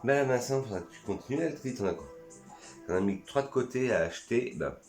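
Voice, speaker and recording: A man's voice: medium pitch, lively intonation, a little fast, darkish tone, roomy sound, soft background music. A man from France chatting casually and enthusiastically in a vlog, reviewing his perfumes and sometimes talking to himself. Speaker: perfume YouTuber.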